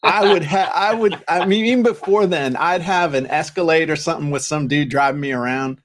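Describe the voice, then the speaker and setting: A man's voice: fairly high pitch, fairly quick. A man co-hosting a podcast in casual chat, rambling and joking with lots of restarts. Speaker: podcast co-host.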